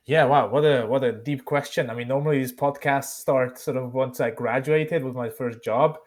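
A man's voice: medium pitch, fairly even intonation, moderate pace. A man in his thirties from Switzerland, whose first language is Bosnian, talking reflectively as a podcast guest and often restarting his sentences. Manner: reflective, many fillers and restarts. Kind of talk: casual interview chat.

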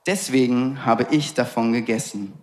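A man's voice: medium pitch, normal speed, reverberant, pitched below the performer's own voice, natural voice. A man reading out Adam, the first man, making defensive excuses in a sermon.

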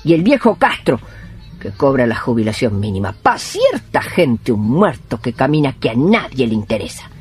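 An earthy older Argentine healer from a radio play. She orders and coaxes emphatically, her pitch swinging widely, with music clearly playing behind her. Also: sing-song, moderate pace, darkish tone. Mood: indignant, tender. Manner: commanding, coaxing, emphatic. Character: bossy, earthy older female neighbourhood healer.

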